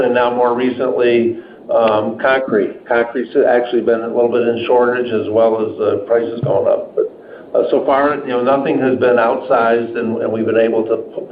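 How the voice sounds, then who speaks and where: A man speaking as a company executive, answering off the cuff on an earnings call in a conversational, stop-and-start way. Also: medium pitch. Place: indoor room on a conference call. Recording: roomy muffled conference call, noisy.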